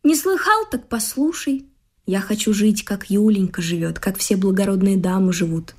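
An actress playing a discontented, frivolous young wife in a classic Russian radio comedy, with a pouty, scornful and stubborn manner. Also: female voice, medium pitch, moderate pace, a little mellow, slightly rough, close to an everyday voice. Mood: defiant, nagging. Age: young adult. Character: discontented, petulant, frivolous young wife craving fashion and comfort.

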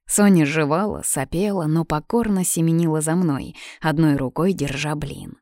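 A woman narrates a novel in steady first person, reading evenly. Her voice sits a little low. The recording is dry and close, with no room echo. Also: normal speed. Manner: even storytelling reading. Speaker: audiobook narrator.

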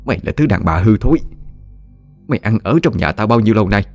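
A man's voice: low-pitched, expressive, normal speed, a little mellow, breathy edge, soft background music, heavily acted. A man voicing a scheming older aunt who scolds and threatens her niece. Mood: scolding. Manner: scolding, harsh, wheedling.

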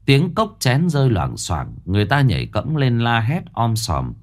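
A man narrating a ghost story in an expressive storytelling manner. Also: mid-range voice, normal speed.

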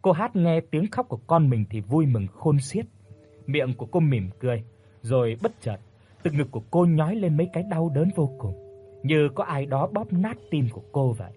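A man narrating a scripted ghost story in a steady, measured way. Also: on the high side, slight background noise.

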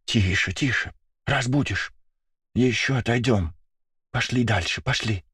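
A man reading an audiobook puts on a skittish young rabbit-eared girl who talks in a husky, breathy hush. She is raised above his own low voice yet stays fairly low for a girl, nervous and halting, in a close, dry storybook reading. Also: no room sound, lightly acted. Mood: pleading. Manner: hushed, hesitant whisper.

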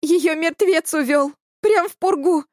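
Woman voicing a shrill panicking young woman. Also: lively intonation, fairly quick, no room sound, studio quality. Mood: panicked shrill. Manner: shrill, trembling, near tears.

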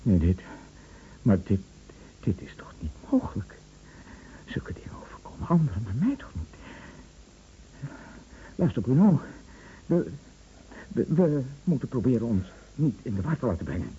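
A man's voice: mid-range voice, big pitch swings, moderate pace, long pauses, warm tone, a little hiss or hum, close to an everyday voice. An actor playing an anxious, bookish bedridden man in a Dutch radio play, agitated and stammering, repeating his words. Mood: distraught. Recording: muffled old radio play recording.

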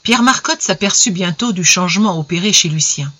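A narrator reading an old story aloud in a measured, expressive way. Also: medium pitch, no echo.

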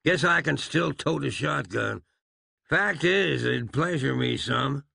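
A man voicing a wounded, tough frontier lawman who groans out his words in rough frontier speech. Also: medium pitch, takes it slowly, sharp tone, dry recording, clean studio sound, voice pushed up, full character voice. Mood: gruff.

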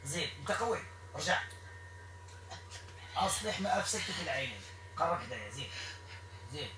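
A man with a Moroccan Arabic accent, performing an exorcism ritual in a stern, repetitive, commanding way that sometimes turns to shouting. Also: a little high, very animated, a little fast. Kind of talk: ritual commands to a possessed person. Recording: echoey room, distant mic, noisy.

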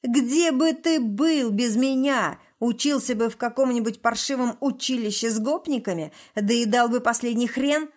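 A woman's voice: a little high, moderate pace, few pauses, pitched above the performer's own voice, natural voice. A woman reading the part of a drunk, abusive middle-aged husband who hisses, sneers and growls. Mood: menacing.

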